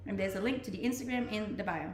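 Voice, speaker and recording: A woman's voice: mid-range voice, fast talker, reverberant, slight background noise. A woman from Denmark with a Danish accent, chatting casually on a live stream as she reads out viewer comments and answers them, laughing often. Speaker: Twitch streamer.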